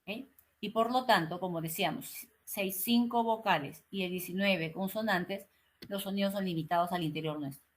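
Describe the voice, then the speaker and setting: Woman teacher explaining slowly and clearly. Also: mid-range voice. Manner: slow, carefully articulated explaining; frequent "¿no?" and "eh" fillers. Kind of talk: online class lecture. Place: home, online class.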